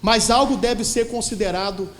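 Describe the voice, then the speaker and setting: A man's voice: high-pitched, moderate pace, a little hiss or hum. A man with a Brazilian Portuguese accent, preaching a sermon as pastor and acting out the people in his stories. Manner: animated, acts out dialogue in quoted voices. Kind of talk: sermon with storytelling. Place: church hall. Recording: echoey church hall.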